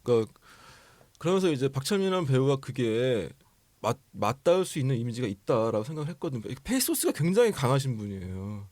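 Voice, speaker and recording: A man, a film director, explaining his casting choices in an interview in a measured way. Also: mid-range voice, big pitch swings, darkish tone, no room sound.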